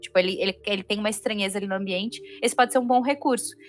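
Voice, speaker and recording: A woman's voice: medium pitch, very fast, soft background music. A Brazilian woman on a reaction panel, discussing things casually in a thoughtful, explanatory way.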